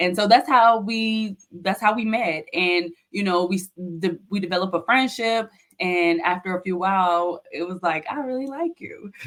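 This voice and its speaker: A woman speaks at medium pitch with an American accent. Her pace is moderate and her pitch variation ordinary. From US South. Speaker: business consultant. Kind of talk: interview. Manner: halting.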